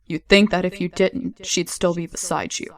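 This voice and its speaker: A calm, firm dark sorceress played by a woman in an audio drama. She speaks bluntly and consolingly, in a low voice with a marked creak. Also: normal speed, close to an everyday voice. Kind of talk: amateur audio drama acting.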